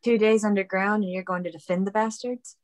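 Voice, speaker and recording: A woman's voice: medium pitch, fairly even intonation, brisk, darkish tone, lightly acted. A woman playing a plain-spoken, teasing young coal-town woman in a dramatic table read. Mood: indignant.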